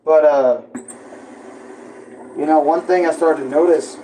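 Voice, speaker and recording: A young man vlogs from his kitchen at home using a tablet propped up nearby, rambling casually with plenty of fillers. His fairly high voice has a dark tone, is a little slow, and turns froggy at times. The audio is poor, with a little hiss or hum.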